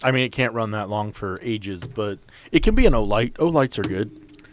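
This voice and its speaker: A man's voice: fairly low pitch, animated, normal speed, slight background noise. A man playing a tabletop game, chatting casually and explaining things in a matter-of-fact way. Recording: music behind the voice. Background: music.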